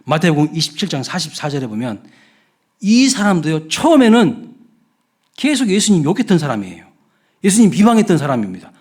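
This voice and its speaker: Male pastor, middle-aged, sermon delivery; higher voice with lively, wide-ranging pitch. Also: a little fast, husky. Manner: emphatic preaching, rising loud when acting out the thief.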